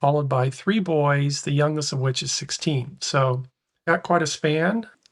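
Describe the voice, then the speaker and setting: A man's fairly high, somewhat breathy voice in an American accent, with ordinary pitch variation. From Texas. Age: 60s. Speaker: father and grandfather sharing parenting experience. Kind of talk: podcast interview.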